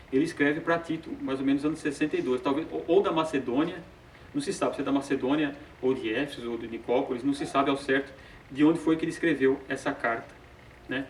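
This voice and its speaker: A man teaches a casual Bible study and speaks a little high. He stalls on repeated filler sounds and chuckles as he talks. He is heard from a distance in a roomy, echoing space. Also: a little hiss or hum.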